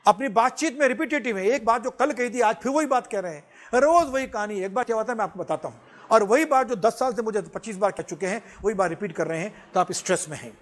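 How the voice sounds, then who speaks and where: Casting: high-pitched man, lively lecturer who laughs and switches between Hindi and English. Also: fast talker. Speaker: personality development teacher. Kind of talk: classroom lecture.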